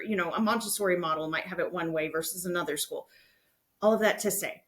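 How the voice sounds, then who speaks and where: A woman's voice: medium pitch, fairly bright tone. A woman hosting a podcast, explaining things to parents in a conversational, instructive and reassuring way. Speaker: podcast host.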